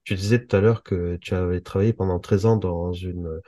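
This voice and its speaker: A man hosting a podcast interview, friendly but halting, with many fillers. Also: low voice, steady tone, dark tone, dry recording, clean studio sound. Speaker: podcast host.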